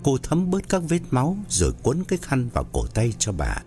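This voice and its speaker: A man narrating an audio story in a dramatic, expressive way. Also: medium pitch, a little fast, faint music behind.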